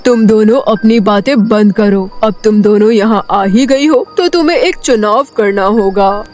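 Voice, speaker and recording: Good witch played by a woman, mid-pitched and commanding, for a cartoon fairy tale over faint music. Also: unhurried, darkish tone, close to an everyday voice. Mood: stern. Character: good witch, commanding female guardian of a magic world.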